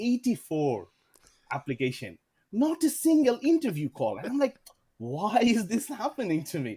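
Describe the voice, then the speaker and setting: In a Bangladeshi accent, a man talks at a moderate pace with very wide pitch swings and a dark, mellow, somewhat breathy tone. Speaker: VFX and animation production manager. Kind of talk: casual interview chat. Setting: live stream video call. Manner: halting with many repetitions.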